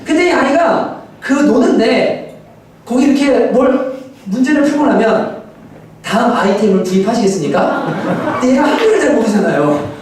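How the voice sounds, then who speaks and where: A man preaching a sermon, telling a family story with lively voices for his wife and son. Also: very high-pitched, moderate pace. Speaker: pastor. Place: church sanctuary. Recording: echoey church hall, mic at a distance.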